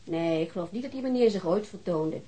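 A woman's voice: on the low side, lively intonation, brisk, dark tone, slightly rough. An actress playing a weary, defensive divorced mother, answering questions hesitantly in a naturalistic radio drama. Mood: guarded.

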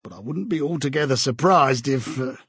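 A man's voice: medium pitch, fairly quick, fairly bright tone, breathy edge, no room sound. A man reading aloud, voicing a bluff, hearty middle-aged man who is an eager busybody, talking in a jovial, chummy, pushy way.

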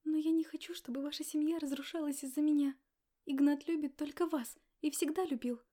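A woman voicing a timid, tearful young pregnant woman who talks softly, sobbing and stammering. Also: high-pitched, steady tone, fairly quick, voice pushed up, natural voice. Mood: tearful pleading.

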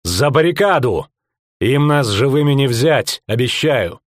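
A man's voice: mid-range voice, brisk, no echo, clean studio sound, lightly acted. A male audiobook narrator voicing a fierce, blunt woman mercenary captain who gives orders. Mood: commanding. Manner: commanding, blunt.

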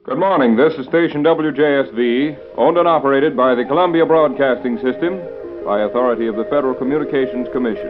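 A man reading a formal station identification, heard as an old AM radio broadcast. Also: mid-range voice. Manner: formal, measured. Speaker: station announcer. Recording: tinny distant old AM radio archive. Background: music playing.

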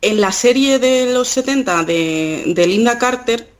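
A woman's voice: on the high side, lively intonation, a little slow. Hesitant woman guest on a podcast. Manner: thoughtful, hesitant with many fillers. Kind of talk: casual podcast chat about comics.

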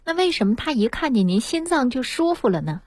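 A woman's voice: sits high, sing-song, brisk, a little mellow, dry recording. A woman radio host prompting her guest with curious questions. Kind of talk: interjecting questions in a radio talk.

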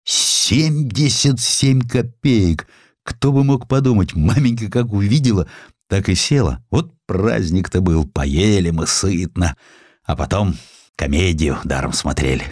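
A homespun old merchant acted by a male narrator reminisces fondly, savouring his words. The storybook voice is deep, with wide folksy swings. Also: lively intonation, unhurried, darkish tone, dry recording, studio quality. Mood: fond wonder.

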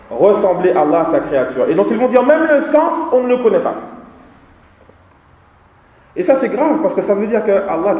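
Emphatic high-voiced man lecturing in a hall. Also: mellow. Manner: emphatic, repeats phrases for students. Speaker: Islamic teacher. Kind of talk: seminar lecture. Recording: echoey hall.

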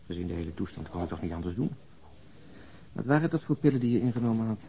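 A man's voice: on the low side, lively intonation, fast, vocal fry, dark tone, rough recording. An actor in a radio drama playing an overweight, jovial, world-weary policeman who talks bluntly and chattily with mild swearing. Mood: frank, probing. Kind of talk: naturalistic Dutch radio drama acting.

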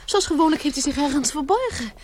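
An actress in a radio drama playing a dutiful young daughter, earnest and protective, with a nervous, stammering manner. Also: female voice, sits high, expressive, quick pace, darkish tone, a little hiss or hum. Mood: cautious, coaxing. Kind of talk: Dutch radio drama acting.

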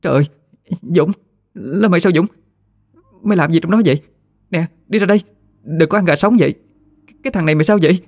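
A man's voice: mid-range voice, very fast, pauses often, dark tone, no room sound, voice pushed up, natural voice. A man voicing a worried young woman, scolding urgently.

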